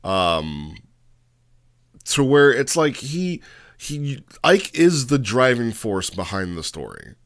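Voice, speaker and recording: A man giving a casual, off-the-cuff review as host, rambling and halting as he talks, often checking in with the listener. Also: medium pitch, very animated. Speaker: host reviewing roleplay logs.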